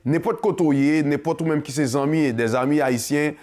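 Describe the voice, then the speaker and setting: A man's voice: a little high, moderate pace, darkish tone. A man with a Haitian accent hosting a community show, talking passionately and mixing Creole into his French. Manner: passionate, switches between French and Creole, sings. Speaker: host. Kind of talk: casual monologue to camera.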